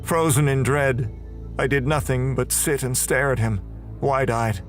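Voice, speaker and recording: A man's voice: medium pitch, steady tone, measured pace, faint music behind. A man performing scripted, dramatic first-person narration for a horror audio drama.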